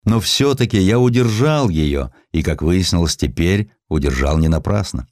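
A man's voice: low voice, lively intonation, normal speed, darkish tone, no echo, clean studio sound. A man voicing a humble, good-hearted sailor turned postman, speaking with earnest feeling in an audiobook. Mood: modest, affectionate.

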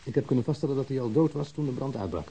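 A man playing a calm, matter-of-fact pathologist explaining findings in a Dutch radio drama. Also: mid-range voice, racing, vocal fry, poor audio. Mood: factual. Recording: hissy old radio drama recording.

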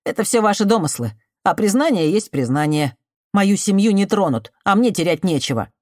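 A woman reading an audiobook voices a desperate young man who answers with bitter sarcasm and often breaks into shouting. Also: mid-range voice, animated, normal speed, dry recording, studio quality, voice pushed up, close to an everyday voice.

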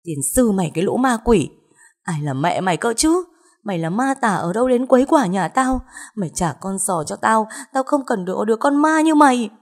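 A woman's voice: mid-range voice, expressive, a little fast, voice pushed up. A woman voicing a desperate mother who screams curses at a ghost. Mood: furious. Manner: shouting, cursing.

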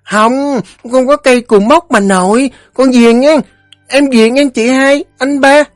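A man's voice: very high-pitched, fairly even intonation, measured pace, dry recording, clean studio sound, soft background music, pitched above the performer's own voice. A man voicing a cheerful, chatty five-year-old boy, eager and sweet-talking. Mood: excited.

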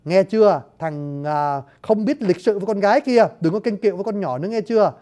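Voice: mid-range voice, brisk, dark tone, natural voice. A narrator voicing a mischievous male forest sprite who grumbles about his errands and mutters to himself. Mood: scolding.

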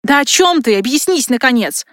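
A woman's voice: fairly high pitch, a little fast, no room sound, close to an everyday voice. A woman voicing a proud, hot-tempered young male crown prince, given to roaring outbursts, in a dry close recording. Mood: bewildered. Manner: bewildered turning to roaring anger.

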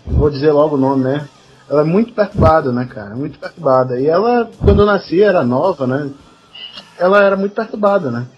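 A man's voice: on the high side, brisk. Brazilian man, casual anecdote teller. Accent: Brazilian Portuguese. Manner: relaxed anecdotal telling with frequent tag questions. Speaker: podcast co-host. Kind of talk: casual chat. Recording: muffled podcast audio with faint music.

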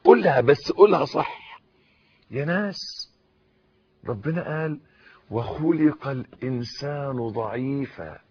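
Egyptian preacher guy, sermon, drops soft then yells, slow and drawn out, muffled lo-fi sound. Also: on the high side, breathy edge. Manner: swings from hushed pleading to fervent shouting. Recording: dull lo-fi recording.

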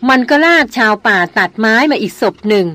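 A woman voicing a calm, protective male hunter who gently soothes and reasons. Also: on the high side, a little fast, no room sound. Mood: soothing.

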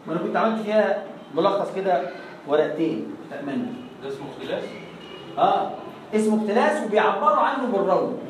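A Quran recitation teacher with an Egyptian accent, giving a classroom lesson and slowly reciting example words again and again to demonstrate. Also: medium pitch, expressive, a little hiss or hum. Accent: Egyptian Arabic. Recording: echoey room, voice far from the mic.

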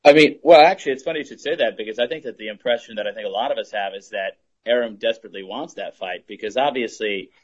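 Male podcast co-host, lowish voice, conversational sports talk, muffled call-quality sound. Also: quick pace, few pauses, breathy edge. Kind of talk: casual sports discussion. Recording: dull low-fidelity call audio.

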